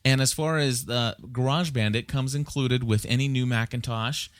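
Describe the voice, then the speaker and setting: A man's voice: mid-range voice, moderate pace, no room sound, clean studio sound. A man hosting a podcast, explaining things in a casual, conversational way with frequent asides. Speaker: podcast host.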